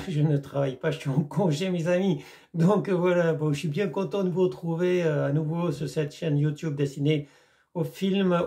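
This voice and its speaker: A man with a somewhat high, gravelly voice talks casually to his viewers about a film. He rambles, hesitates often and keeps coming back to his friendly asides. The delivery is plain and unscripted. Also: warm tone. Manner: rambling, many hesitations, repeats "mes amis". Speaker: YouTube film reviewer. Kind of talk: casual chat to camera.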